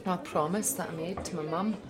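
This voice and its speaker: A woman's voice: on the low side, steady tone, a little fast, a crowd in the background, natural voice. An actress playing a tired middle-aged Scottish wife and mother who looks after her father, harried and shrugging off concern. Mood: weary, joking. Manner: harried, brushes off concern, self-deprecating. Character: worn-out wife, mother and carer for her dad.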